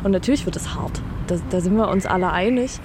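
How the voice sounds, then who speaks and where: A woman's voice: mid-range voice, fast, noisy background. A woman from a cultural center giving an earnest interview statement in an outdoor courtyard, searching for words.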